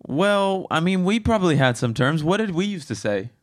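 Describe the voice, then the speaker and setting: A man's voice: high-pitched, big pitch swings, moderate pace. A man co-hosting a casual podcast chat, teasingly quizzing his co-host on slang.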